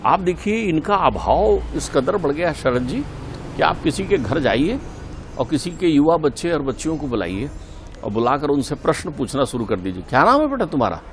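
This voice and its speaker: A man's voice: on the high side, lively intonation, moderate pace. A middle-aged man giving a spiritual talk as a guest in a TV interview, earnest and preaching, repeating key points for emphasis.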